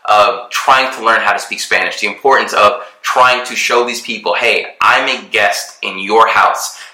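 Texas guy rambling along earnestly, low voice but really bright and forceful, echoey room. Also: normal speed. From Texas, USA. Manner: earnest, rambling, many fillers and restarts. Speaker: vlogger, expat in Mexico. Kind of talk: casual chat. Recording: roomy echo.

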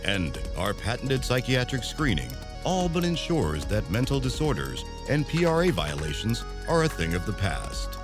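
Swooping, animated male ad spokesman over music. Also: medium pitch, normal speed, few pauses. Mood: upbeat selling. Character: slick futuristic rejuvenation ad spokesman. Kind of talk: commercial voice-over.

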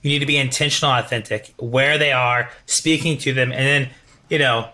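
A man's voice: medium pitch, moderate pace. A man hosting an interview podcast, talking with energy, often restarting and adding "right?". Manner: energetic, repeats words, tag questions. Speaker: podcast host. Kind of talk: casual interview chat.

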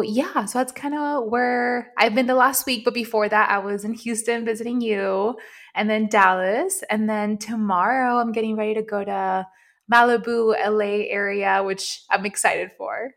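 A woman's voice: medium pitch, vocal fry. A young woman from Venezuela co-hosting a podcast, chatting casually and thinking aloud in a reflective way. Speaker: podcast co-host. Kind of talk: casual chat.

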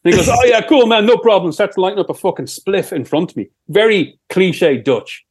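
A young Irish man co-hosting a podcast, telling stories in a sweary, animated way. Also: high voice, brisk, breathy edge. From Ireland. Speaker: podcast co-host. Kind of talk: casual chat.

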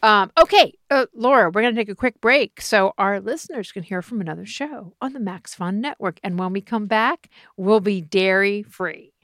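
A woman co-hosting a podcast in casual chat, animated and laughing often. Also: medium pitch, normal speed, hardly any pauses. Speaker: podcast co-host.

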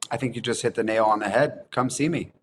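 A man in his thirties, a chef guest on a podcast, speaking calmly and earnestly in casual chat. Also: mid-range voice, fast, slight background noise. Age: 30s.

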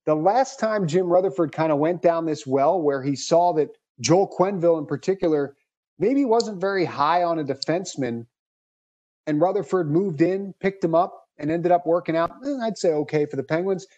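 Male podcast host, slightly high voice, fluent and upbeat, reads from a script. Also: normal speed, warm tone, dull audio. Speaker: podcast host and hockey reporter.

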